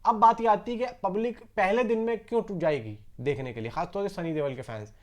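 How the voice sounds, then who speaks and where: Male film news host, high-pitched voice, casual conversational delivery, repeats points and talks straight to viewers. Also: brisk. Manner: conversational, repeats himself, addresses viewers directly.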